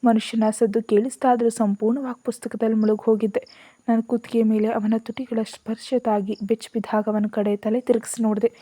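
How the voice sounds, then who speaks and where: Female storyteller, first-person romance narration, lively and expressive. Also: a little high, a little fast.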